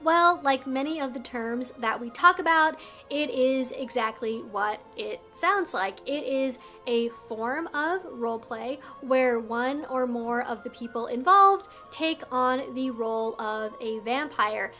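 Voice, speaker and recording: Woman with a high voice doing an explainer vlog, chatty but articulate, faint music behind her. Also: a little slow, bright, forceful tone. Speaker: video host. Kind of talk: explanatory educational vlog, talking to viewers.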